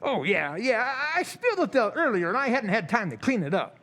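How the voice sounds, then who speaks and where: A man's voice: sits high, big pitch swings, a little fast, fairly bright tone, exaggerated voice. A man playing a flustered, eager working-class station attendant in an old-time radio drama, stammering and rambling in slang. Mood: earnest.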